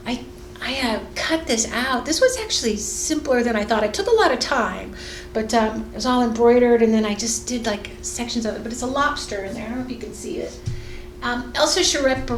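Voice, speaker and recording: Middle-aged woman designer, casual rambling studio chat, slightly high voice, roomy echo. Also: slight background noise. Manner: chatty, rambling, many fillers and restarts. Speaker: fashion designer and sewing vlogger. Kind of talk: casual chat while sewing. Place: sewing studio indoors. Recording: echoey room with faint ambience.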